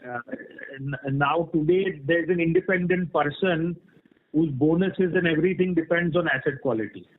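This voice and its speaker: A man's voice: a little high, moderate pace. A man speaking as a company executive, explaining frankly and off the cuff on a conference call. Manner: frank, explanatory, often checks with "right?". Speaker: company executive answering analysts' questions. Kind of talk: earnings call question-and-answer, spontaneous explanation. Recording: muffled band-limited conference call line.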